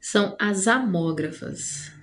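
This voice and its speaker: A woman's voice: mid-range voice, expressive. A Brazilian Portuguese-speaking woman teaching an online grammar lesson in a chatty way, often tagging "né?" and drawing out example words. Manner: chatty, tags phrases with "né?"; drawls out example words slowly.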